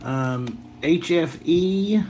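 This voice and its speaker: A man's voice: a little high, lively intonation, extremely slow, darkish tone, slight background noise. A slightly tired American man rambling casually through a homemade vlog in a folksy, jokey way. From southern Illinois, United States. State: a little tired. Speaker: gadget video host.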